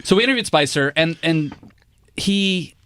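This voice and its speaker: A male political journalist guest chatting casually on a podcast, rambling with many "like"s and jumpy pitch. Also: normal speed, dry recording. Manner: rambling, many "like" fillers, animated pitch jumps.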